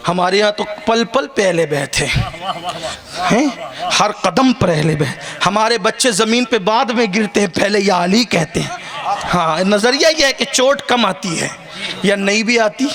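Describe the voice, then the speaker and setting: A man preaching a sermon to a gathering in South Asian Urdu, impassioned, rising to shouts and joking with the crowd. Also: high voice, expressive. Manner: jokes with the crowd. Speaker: religious orator. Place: outdoor religious gathering with listeners.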